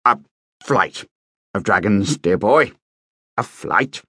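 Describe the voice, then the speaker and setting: A man's voice: on the low side, lively intonation, slow pace, sharp tone, husky, no echo, heavily acted. A fussy old tutor, as a man reads him, prim and lecturing with a rise and fall. Dry, close storybook sound. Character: fussy, pompous old male professor.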